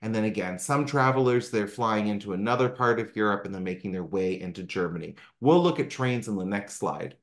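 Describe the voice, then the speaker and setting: A man's voice: fairly low pitch, brisk, hardly any pauses. Upbeat Canadian man presenting travel slides. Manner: upbeat, conversational, frequent ums and asides. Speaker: travel advisor presenting a destination talk. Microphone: video call microphone.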